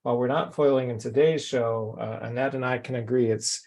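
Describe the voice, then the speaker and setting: A male host of a live crafting stream, with a gravelly fry in a mid-range voice. He keeps things upbeat and speaks straight to the viewers at home. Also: mid-range voice, fairly even intonation, fairly quick, darkish tone. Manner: upbeat, addresses viewers directly. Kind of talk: live-stream show hosting.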